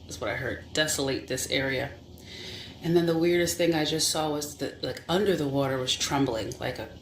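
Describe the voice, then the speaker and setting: A speaker with a Christian testimony talks haltingly, searching for words and stumbling over repeats. The voice is mid-pitched and sounds in a roomy, echoey space over a faint hum. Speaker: Christian sharing a vision. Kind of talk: spiritual testimony to camera.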